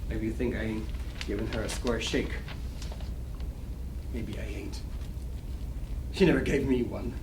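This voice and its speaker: An actor playing a cocky, wistful small-time 1920s New York gambler, telling rambling stories in slangy wiseguy talk at a dramatic play reading. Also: male voice, lowish voice, steady tone, unhurried, long pauses, natural voice. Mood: wistful, resigned. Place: library reading room. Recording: roomy distant live recording, clear noise.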